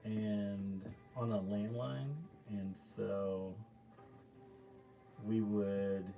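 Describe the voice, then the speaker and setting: A man's voice: fairly low pitch, little pitch movement, drawn-out words, creaky, muffled recording, music in the background. A man, a painter hosting a live stream from his art studio, chatting casually and rambling through loose stories with lots of fillers as he paints.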